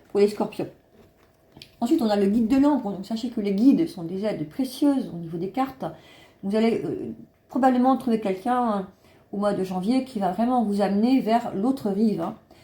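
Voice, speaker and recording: Somewhat breathy, with a dark, mellow tone and a fairly high pitch, a woman speaks at a moderate pace with lively intonation and long, frequent pauses. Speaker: medium / card reader. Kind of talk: tarot-style card reading. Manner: hesitant, many fillers.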